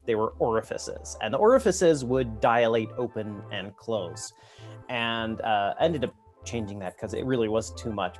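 A man in his thirties, an author chatting casually and with amusement about his book, on an earbud mic in a small room. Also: fairly low pitch. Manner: amused, chuckling, apologetic asides. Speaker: author reacting to clips. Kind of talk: casual reaction commentary. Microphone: earbud headset mic.

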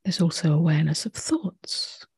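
A woman meditation teacher leading a guided meditation in a soft, breathy near-whisper, gently and with long pauses. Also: deep voice.

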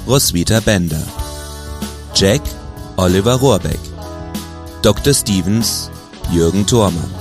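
A man reading scripted credits as an announcer. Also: on the low side. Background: guitar music.

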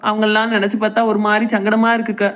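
A woman's voice: medium pitch, completely flat delivery, racing, close to an everyday voice. A woman voicing a teasing young village wife. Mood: earnest. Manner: sharp teasing banter, earnest.

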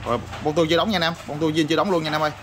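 Man, rapid repetitive hawking, slightly high voice, noisy backdrop with passing vehicles. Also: steady tone. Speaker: used motorbike parts seller. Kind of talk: casual product showcase sales patter. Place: parts shop or workshop.

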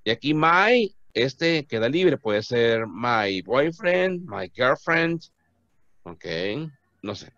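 Male English teacher drilling beginner students, animated delivery, patient repetition, dull dry audio. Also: mid-range voice, no room sound. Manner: patient, repeats words slowly for pronunciation. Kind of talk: classroom teaching, mixing Spanish and English. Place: classroom.

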